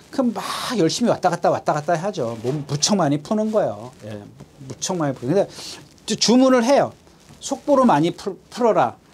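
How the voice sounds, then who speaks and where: Noticeable background noise sits under a voice speaking at a moderate pace. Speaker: horse racing tipster. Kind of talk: race prediction talk. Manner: casual, conversational.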